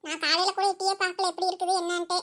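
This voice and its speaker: A very high, bright, rapid cartoon voice of a fretful village aunt, put on by a performer. She scolds and chatters. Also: little pitch movement. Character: fretful village aunt, middle-aged woman. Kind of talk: cartoon voice acting.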